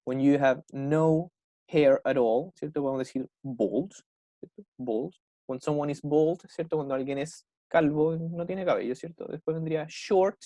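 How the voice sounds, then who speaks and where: A young adult man with a Chilean Spanish accent, teaching an English class online. He keeps checking in with his students and slows right down to model English phrases. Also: fairly high pitch, dark tone, dry recording. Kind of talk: online class explaining vocabulary.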